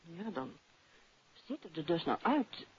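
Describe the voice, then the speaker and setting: A dull vintage radio recording features a poised, quick-witted wife of a detective. Her mid-range voice is animated and inquisitive, with practical, conversational delivery in the 1950s radio drama manner. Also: on the low side. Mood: curious, practical.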